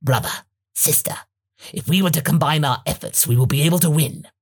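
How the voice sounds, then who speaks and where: A man voicing a cold, scheming insect-like male android, in a husky, whispery, slow and silky voice. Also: a little high.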